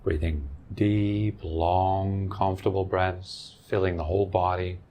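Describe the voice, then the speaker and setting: A man leading a guided meditation as a teacher, giving calm, gentle instructions in short phrases with long pauses. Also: sits low, a little hiss or hum. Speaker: meditation teacher and podcast host.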